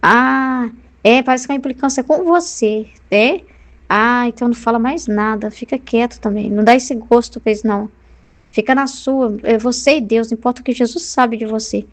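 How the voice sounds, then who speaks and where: A flattering demon's inner voice with a Brazilian Portuguese accent, soothing the ego and agreeing with every hurt feeling, as a woman puts it on. It sits a little high and coaxing. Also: moderate pace, lightly acted.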